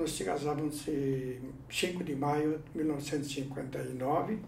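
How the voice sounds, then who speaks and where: Noticeable background noise accompanies a man speaking at a fairly high pitch with fairly even intonation. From Greece. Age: 80s+. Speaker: immigrant, former factory manager. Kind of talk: interview answer.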